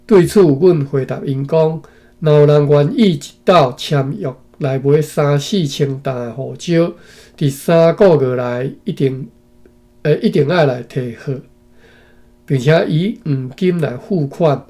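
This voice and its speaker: A man's voice: fairly high pitch, warm tone. A man from Taiwan reads a historical text aloud in short phrases and stops often to add his own comments and tag particles. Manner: reads slowly in phrases, adding asides and frequent tag particles. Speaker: reader and commentator.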